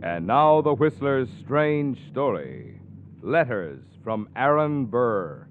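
A man's voice: medium pitch, big pitch swings, slow pace, over music. A man announcing in polished, emphatic 1940s radio style. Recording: tinny vintage radio broadcast.

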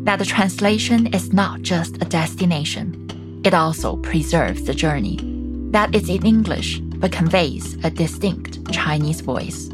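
A woman hosting and narrating a documentary podcast in a calm, reflective scripted style. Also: fairly low pitch, a little slow, over music. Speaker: host and narrator.

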